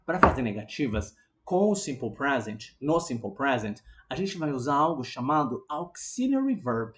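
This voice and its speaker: A teacher with a Brazilian Portuguese accent giving an online English lesson, drilling example sentences slowly and often checking in with the class. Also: mid-range voice, sing-song, fairly bright tone, slight background noise.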